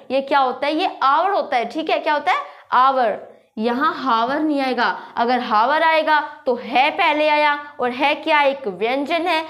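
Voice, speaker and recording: High-voiced woman teaching grammar. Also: fairly bright tone. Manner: quizzes listeners with repeated questions, spells words aloud. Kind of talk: classroom-style grammar lesson.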